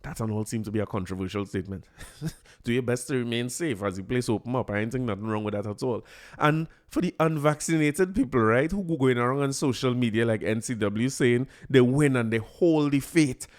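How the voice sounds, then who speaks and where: A Trinidadian man hosts his own podcast in a loose, chatty way. He jokes, laughs often and stumbles over repeated words, and his voice sits at an ordinary middle pitch. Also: fairly quick. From Trinidad and Tobago. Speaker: podcast host. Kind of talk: casual solo commentary.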